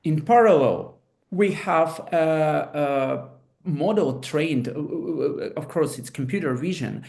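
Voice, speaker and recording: A man's voice: a little high, slow, vocal fry, a little mellow. A man who is not a native English speaker, explaining technology on a webinar panel over a video call, hesitant and full of restarts. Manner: hesitant, many fillers and restarts.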